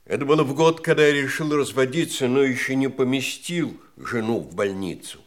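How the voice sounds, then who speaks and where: An actor playing a hesitant, confessional family friend and former lover in an audio drama, halting and ruminative. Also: male voice, mid-range voice, natural voice. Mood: rueful. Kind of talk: stage-style audio drama acting.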